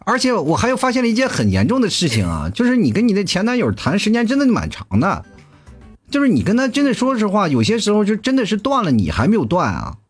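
Man, inner mongolian accent, livestream host, teasing, lively pitch, husky. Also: quick pace, soft background music. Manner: teasing, animated, joking. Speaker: livestream talk show host. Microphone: video call.

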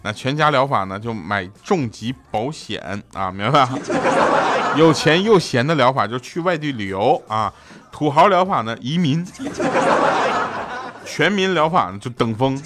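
A man hosting a comedy show, delivering jokes and short anecdotes in a playful, quick style with pauses before punchlines. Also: mid-range voice, animated, heavy background noise. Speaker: radio comedy host. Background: background music.

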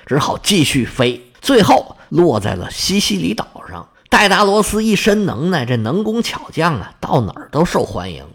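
A man's voice: on the high side, fairly bright tone. A man telling a myth in vivid, colloquial storytelling style with dramatic emphasis and sound words. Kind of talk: Chinese folk-style storytelling of myths.

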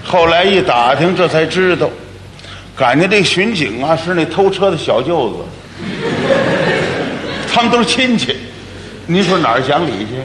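A man telling a solo comic story in a lively, wry manner. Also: a little high, normal speed, pauses often. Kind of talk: solo crosstalk monologue. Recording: echoey hall, faint noise.

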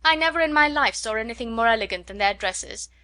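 Woman voicing excitable middle-aged mother, high voice, bright and piercing, breathless, effusive gossip. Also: quick pace. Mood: indignant.

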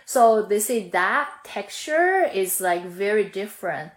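A woman in her thirties from Chongqing speaks English with a Chinese accent, eager and chatty as a guest in an interview. Her talk is full of fillers and quick restarts. The recording is roomy, with noticeable echo. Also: mid-range voice. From Chongqing, China. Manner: lively, frequent fillers and restarts. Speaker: sauce brand founder, guest. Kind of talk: casual interview conversation.

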